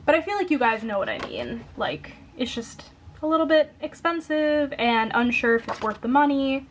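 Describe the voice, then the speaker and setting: Young midwestern gal chatting to her camera, upbeat, kinda high voice, lots of um and like. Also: slight background noise. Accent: Midwestern American. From Wisconsin, United States. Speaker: coloring YouTuber. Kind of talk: casual chat to camera.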